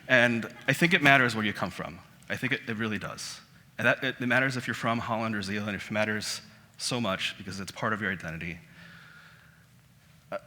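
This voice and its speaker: A Korean-born man in his thirties giving a relaxed, conversational public lecture, often restarting his sentences. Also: lowish voice. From South Korea. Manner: conversational, self-deprecating, many restarts. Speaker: guest lecturer. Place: auditorium. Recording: hall reverb.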